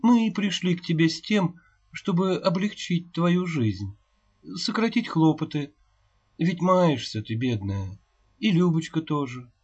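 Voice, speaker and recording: A man voicing a gentle, persuasive woman official who speaks softly and coaxingly. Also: low-pitched, sing-song, measured pace, slightly rough, voice pushed up, full character voice. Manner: soft, coaxing. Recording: dull lo-fi recording.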